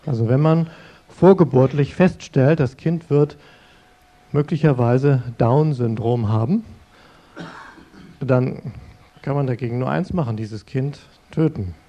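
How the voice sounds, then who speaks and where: A man's voice: mid-range voice, measured pace, pauses often, highs cut off. A middle-aged man speaking as a Christian in an earnest, conversational sermon, addressing the listeners directly. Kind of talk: sermon-style talk.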